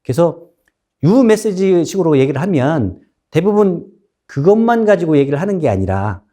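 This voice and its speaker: Animated male lecturer telling stories. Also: a little high, normal speed. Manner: animated, storytelling. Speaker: instructor. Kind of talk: lecture with storytelling.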